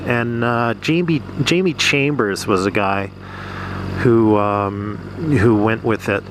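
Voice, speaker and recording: A man's voice: on the low side, takes it slowly. Guy with a stuffed-up nose just rambling on, lots of ums, big noisy hum behind him. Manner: rambling, many fillers and restarts. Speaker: vlogger. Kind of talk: rambling casual vlog. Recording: loud background noise.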